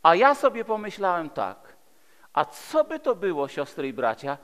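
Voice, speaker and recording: High-pitched, forceful man preaching. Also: huge pitch swings, moderate pace. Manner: emphatic, rhetorical, with repeated phrases and dramatic swings between loud and hushed. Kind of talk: sermon. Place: large church hall, speaking from a pulpit. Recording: echoey hall with long reverb.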